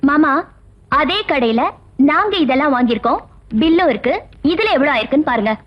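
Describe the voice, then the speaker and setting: An actress playing a bold, outspoken young daughter-in-law in a film, speaking sharply. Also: female voice, high-pitched, animated, brisk. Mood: stern. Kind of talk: film dialogue. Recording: dull lo-fi film soundtrack with music behind.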